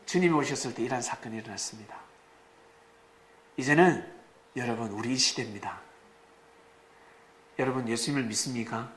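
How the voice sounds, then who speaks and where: A male pastor preaching a sermon with dramatic rises, sudden shouts and rhetorical questions to the congregation. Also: mid-range voice, normal speed, pauses often, slight background noise. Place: church sanctuary. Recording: echoey church room, faint ambience.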